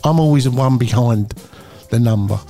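A man's voice: medium pitch, normal speed, dark tone, soft background music. Rambling older man in his sixties. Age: 60s. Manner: chatty, rambling, repeats himself. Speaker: podcast co-host. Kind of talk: casual chat.

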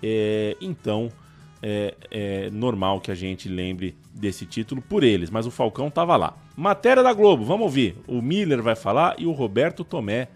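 A man's voice: lowish voice, expressive, moderate pace. A Brazilian man hosting a football history show, telling stories in a conversational way. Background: music.

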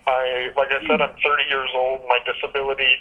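A man in his thirties from Washington State, answering interview questions over a phone call in an articulate, measured way. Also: medium pitch, flat delivery. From Washington State, USA. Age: 30s. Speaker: guest poet.

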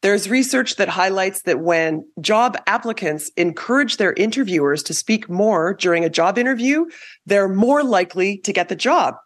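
A woman's voice: mid-range voice, normal speed. A woman hosting a podcast, giving scripted advice on communication in an emphatic, coaching way. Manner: lively, emphatic coaching delivery. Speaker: podcast host.

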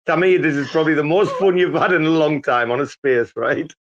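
A man's voice: on the high side, brisk, muffled recording. A man hosting a casual live chat, telling a rambling story full of swearing.

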